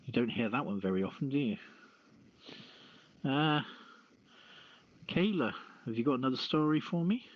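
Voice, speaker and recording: A man's voice: medium pitch, animated, moderate pace, pauses often, dull audio. A man hosting a podcast, reading news aloud and adding casual remarks, stumbling over the odd word. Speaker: podcast host.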